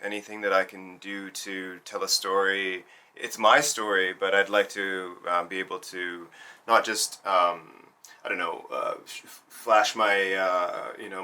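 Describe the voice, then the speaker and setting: A Zambian-born man speaks in a documentary interview about his life as a burlesque performer. His voice sits low but has a sharp, forceful edge. He is reflective and searching, restarts many of his sentences, and is heard from some distance from the mic.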